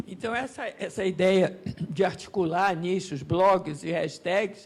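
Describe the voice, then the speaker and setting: At a very slow pace, a woman talks with medium pitch and ordinary pitch variation. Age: 70s. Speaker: author and feminist scholar. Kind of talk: panel talk at book launch. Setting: book launch event with audience. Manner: halting, many false starts.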